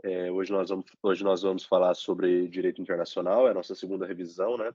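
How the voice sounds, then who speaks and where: Congested young man with a low voice. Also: flat delivery, a little mellow, husky, no room sound. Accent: Brazilian Portuguese. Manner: slow, halting explanation with frequent "né?" fillers. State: congested, stuffy nose from a cold. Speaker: teaching assistant. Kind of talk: online review lesson. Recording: dull, lo-fi dry computer recording.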